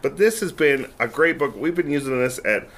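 A man on church staff co-hosting a podcast, relaxed and affirming in casual chat. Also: medium pitch, moderate pace, slight background noise.

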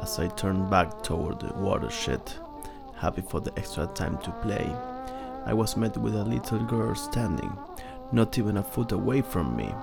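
A man's voice: on the low side, animated, moderate pace, creaky. A man reading a scripted horror story as a dramatic narrator. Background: music.

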